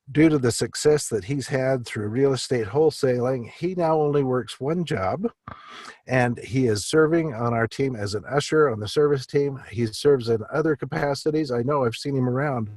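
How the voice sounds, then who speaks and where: A man with an average voice hosts a team meeting and introduces the day's trainer in warm, praising words. The sound is dry and close. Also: mid-range voice, no echo. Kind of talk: formal introduction.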